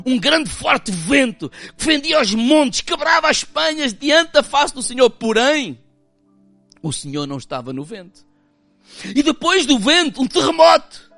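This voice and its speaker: A man preaching with a European Portuguese accent, his voice sitting high for a man. He moves from impassioned, raised passages down to hushed, quiet stretches. The sound is dry and close, with faint music underneath. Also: sing-song, a little slow, creaky, no room sound. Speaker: pastor. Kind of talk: sermon.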